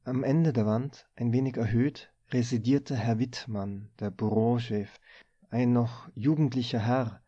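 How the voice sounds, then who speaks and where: Slow, deliberate male audiobook narrator. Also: mid-range voice, fairly even intonation, warm tone, dry recording, lo-fi sound. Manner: measured, deliberate reading. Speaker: audiobook reader. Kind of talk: scripted narration.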